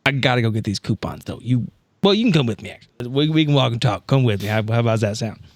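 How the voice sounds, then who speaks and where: A man's voice: medium pitch, lively intonation, no room sound, lightly acted. A man playing a sheepish, hapless but determined schemer in a tabletop roleplay, rambling and interrupting himself. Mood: casual, hurried. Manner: halting, rambling, self-interrupting.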